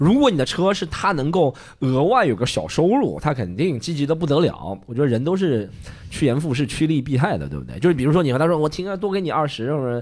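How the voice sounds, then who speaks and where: The speech moves at a very fast pace. The pitch swings very widely. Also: man. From Shanghai (Yangpu). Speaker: stand-up comedian. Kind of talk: casual chat. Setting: stage with audience.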